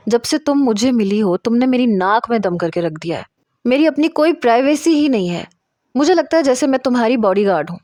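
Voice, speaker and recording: A woman voicing a sharp-tongued young female friend who scolds and teases. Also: a little high, lively intonation, no room sound, pitched above the performer's own voice, natural voice. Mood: scolding. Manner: scolding, impatient.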